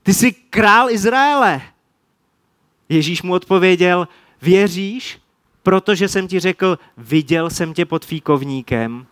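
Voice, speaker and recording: A man preaching a sermon, retelling Bible stories and acting out the quoted dialogue with lively energy. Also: high-pitched, dry recording.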